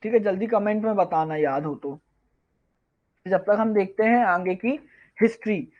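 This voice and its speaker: A male tutor giving a live online revision lecture, firing off quiz questions and answering them himself, slowing down to dictate key terms. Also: sits high, lo-fi sound. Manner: quizzes viewers, then answers his own questions. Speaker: pharmacognosy tutor.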